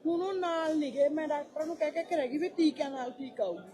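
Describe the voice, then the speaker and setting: A woman's voice: sits high, quick pace, warm tone. A woman, a mother, earnestly pleading as she explains her daughter's illness. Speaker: mother of a patient. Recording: crowd noise behind. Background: crowd chatter.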